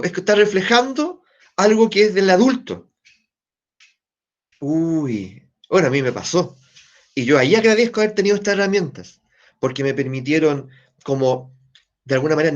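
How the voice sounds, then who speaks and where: A man with a Chilean Spanish accent lectures to a class online, keeping things conversational and stopping often to check that his students follow. His voice sits a little high for a man. The sound is dull and lo-fi, as over a video call. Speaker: teacher.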